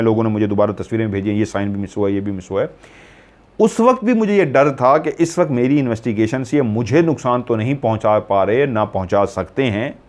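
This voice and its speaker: A man's voice: mid-range voice, a little mellow. A man from Pakistan, a paranormal investigator and host, retelling a haunting story in an earnest, explanatory way with repeated phrases. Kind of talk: storytelling narration.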